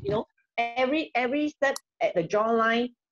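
Faint music plays in the background as a woman speaks. Her pace is moderate and her intonation lively. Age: 40s. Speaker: beauty product trainer. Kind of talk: product demonstration. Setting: video call. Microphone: video call.

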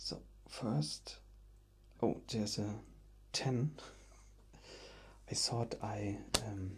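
A soft-spoken voice moves at a very slow pace with long, frequent pauses. Light background noise sits behind it. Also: man. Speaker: ASMR creator teaching math. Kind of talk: ASMR math tutorial. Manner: soft-spoken, relaxing. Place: home room.

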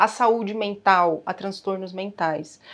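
Very slowly, a woman speaks with lively intonation. The background is quiet. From São Paulo, Brazil. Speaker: psychologist and author. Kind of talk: interview answers. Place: studio.

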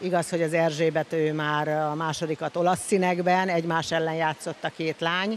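Speaking at a moderate pace with hardly any pauses, a woman keeps a fairly low pitch and monotone, flat intonation. The sound is dry with no echo, over light background noise. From Budapest, Hungary. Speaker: water polo coach. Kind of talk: interview. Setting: swimming pool. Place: hall. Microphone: handheld.

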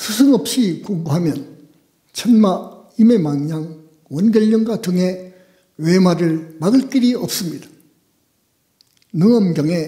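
A man's high voice with lively intonation at a very slow pace, against a quiet background. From South Korea. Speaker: Buddhist monk giving a sermon. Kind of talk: Buddhist sermon / Dharma talk. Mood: calm, earnest. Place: hall. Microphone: studio mic.

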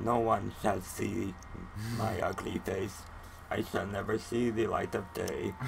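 A man puts on a robotic character voice at medium pitch, speaking fairly slowly over loud background noise. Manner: brooding, ominous.

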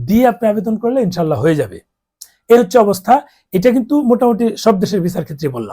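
A man's high-pitched voice carries a dark, mellow tone and ordinary pitch variation. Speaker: travel agent and travel vlogger. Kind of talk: informational talk to camera. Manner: halting.

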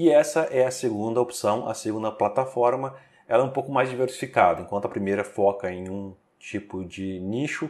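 A man with a Brazilian accent at a medium pitch, ordinary pitch variation, a moderate pace and big swings in loudness, against a quiet background. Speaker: YouTube tutorial host. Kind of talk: sales pitch, promotional tutorial. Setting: screen-recording voiceover. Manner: casual and conversational, with filler words.

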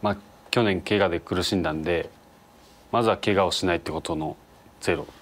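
Speaking at a fairly quick pace with long, frequent pauses, a man uses a very deep, low pitch. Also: fairly even intonation. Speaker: professional footballer. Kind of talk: casual interview. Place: empty room.

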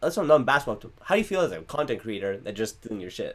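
Using vocal fry, a man talks at a very fast pace with very wide pitch swings. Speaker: podcast host and former college basketball player; podcast host. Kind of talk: casual chat. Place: home room.

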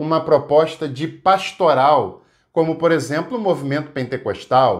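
Man with a fairly high pitch and ordinary pitch variation, set against a quiet background. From Brazil. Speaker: theology teacher and YouTuber; theology teacher, YouTuber. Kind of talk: educational talk to camera. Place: home room.

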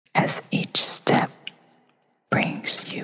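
Whispered words come through. They are delivered very slowly. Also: woman. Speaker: ASMR and guided meditation creator. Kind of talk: guided meditation. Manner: whispered, soft-spoken, slow.

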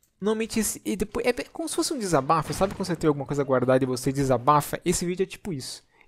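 A man with lively intonation and a fairly high pitch. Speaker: gaming youtuber. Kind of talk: casual vlog monologue.

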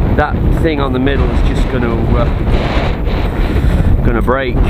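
Loud background noise fills the recording. The sound is dry, with no echo. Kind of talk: casual vlog chat. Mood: relaxed, slightly amused. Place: open country. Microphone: phone near.

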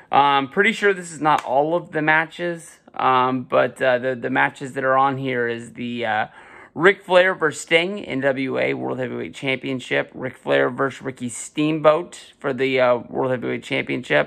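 The tone is bright and sharp, with a moderate pace. The background is quiet. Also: man, ordinary pitch variation. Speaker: collector reviewing a disc. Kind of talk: casual vlog chat. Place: home room. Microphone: phone near.

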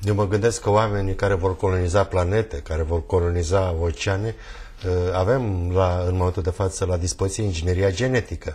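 A man speaks with a very deep, low pitch. The intonation is fairly even. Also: fairly quick pace. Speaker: co-presenter.

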